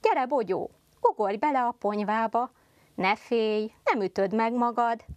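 Woman reading cheerful young male forest creature, storybook, eager encouraging calls, slightly high, dry close sound. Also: a little mellow, no room sound, close to an everyday voice.

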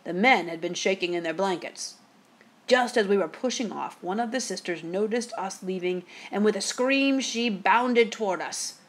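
A woman playing a quick-witted, teasing father who spins a ghost tale with drawn-out suspense. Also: medium pitch, close to an everyday voice. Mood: hushed suspense.

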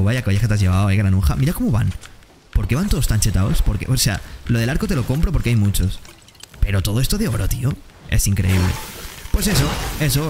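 A man giving excitable, slangy commentary while playing a game. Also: medium pitch. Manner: excitable, slangy, quick exclamations to opponents. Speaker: gaming streamer. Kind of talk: gameplay commentary. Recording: gameplay noise and gunfire behind.

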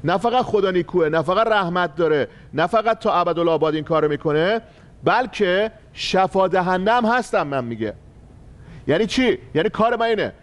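A man with a somewhat high voice preaches a sermon as pastor. He teaches step by step from slides and repeats his key phrases for emphasis. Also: expressive.

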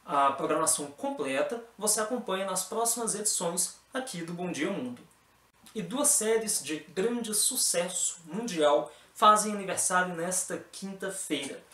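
A young man with a Brazilian accent, presenting the news in a formal, scripted read from a desk in a small room. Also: high voice. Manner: even, formal anchor delivery. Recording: roomy echo with faint music behind.

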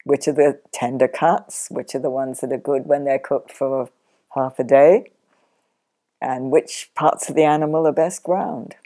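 An older woman sheep farmer, chatty and practical, explaining her farm work step by step in a relaxed interview at home. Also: very deep voice, unhurried. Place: sunlit living room, in an armchair.

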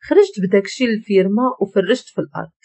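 A woman's voice: mid-range voice, sing-song, racing, dark tone, slightly rough. A woman with a Moroccan Arabic accent narrating a first-person story in an emotional, confessional way.

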